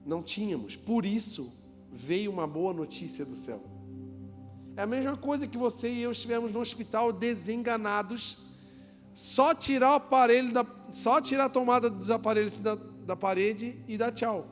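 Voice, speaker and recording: High-voiced man preaching in a reverberant church. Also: lively intonation, normal speed. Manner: joking, asks the crowd questions and calls for applause. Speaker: pastor. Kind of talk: lively sermon to a congregation. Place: church hall with a congregation. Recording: long church reverb, music behind.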